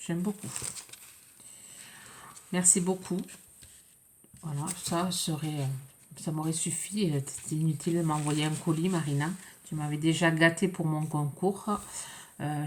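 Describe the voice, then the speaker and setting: A woman with a French accent and a notably low voice talks casually through a package she is opening, halting often with fillers. Her cold leaves her sounding congested, and a faint hiss runs behind her. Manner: hesitant, many pauses and fillers. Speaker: scrapbooking vlogger. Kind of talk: casual unboxing chat.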